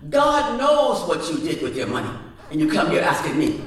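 A man's voice: on the high side, sing-song, moderate pace. A man voicing a greedy, smug male jeweler who brushes people off. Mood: dismissive. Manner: haughty, brushing off. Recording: echoey room from far off, faint music.

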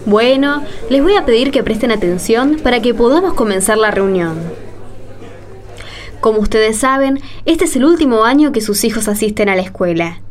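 A woman with an Argentine accent playing a patient, encouraging schoolteacher in a radio drama, speaking politely and in measured explanations. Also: fairly high pitch, close to an everyday voice. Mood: polite, businesslike. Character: patient, encouraging woman seventh-grade schoolteacher leading parents' meeting.

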